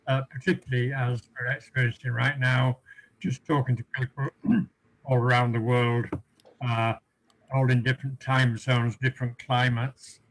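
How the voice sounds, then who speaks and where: A middle-aged man introduces himself on a video call in a measured, halting way, pausing often with fillers. His voice sits at a middle pitch. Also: low-quality recording. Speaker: workshop participant, facilitator.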